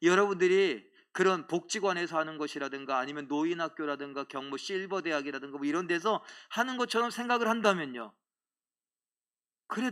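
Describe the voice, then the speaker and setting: Animated high-voiced male pastor preaching. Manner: animated, acts out voices and jokes with the congregation. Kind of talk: sermon. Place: church sanctuary.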